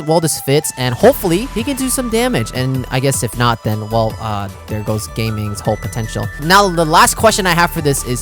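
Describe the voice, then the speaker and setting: A man doing casual gaming reaction commentary as a YouTuber, informal and slangy, thinking aloud as he goes. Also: a little high. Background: background music.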